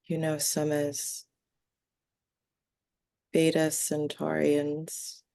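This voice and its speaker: A woman speaking as a trance medium for a calm collective of extraterrestrial beings, in halting, solemn, formal phrases. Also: low-pitched, gravelly, full character voice. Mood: solemn, detached. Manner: halting short solemn phrases with long breaks, formal wording. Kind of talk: trance channeling, seance medium.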